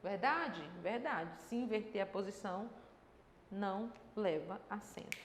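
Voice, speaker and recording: A woman's voice: mid-range voice, lively intonation, a little slow, a little hiss or hum. A woman teaching a grammar lesson for exam preparation, explaining step by step and checking in with her students with short tags, with a slightly dry throat. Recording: echoey room with long reverb.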